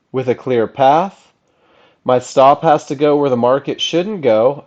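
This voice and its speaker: Higher-voiced man teaching a group, dull audio. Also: a little mellow. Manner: addressing a group, checking they follow; emphatic, with short punchy phrases and rhetorical questions. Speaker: trading instructor. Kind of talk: live trading lesson.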